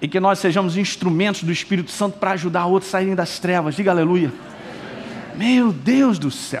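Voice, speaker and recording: At a fairly quick pace, a man talks with a high pitch. His pitch variation is ordinary. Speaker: pastor. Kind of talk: sermon. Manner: animated.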